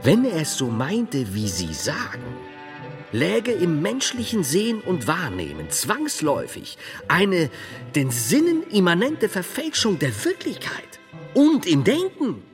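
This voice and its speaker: A man playing a devout, self-assured medieval monk and philosopher in a theatrical drama, declaiming deliberately with scholarly emphasis. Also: high voice, huge pitch swings, big-room sound, soft background music, heavily acted. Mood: troubled, reasoning. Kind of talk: theatrical German dialogue drama.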